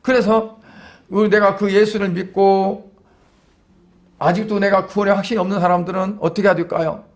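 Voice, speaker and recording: A man's voice: high-pitched, level tone, moderate pace, long pauses. A male pastor giving a sermon in colloquial storytelling style, with rhetorical questions to the congregation.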